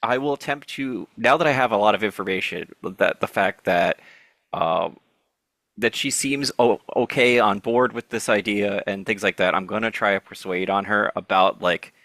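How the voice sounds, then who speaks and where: A man playing a tabletop game, thinking aloud with halting restarts. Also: on the low side, a bit bright, no echo. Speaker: player. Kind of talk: casual tabletop role-play.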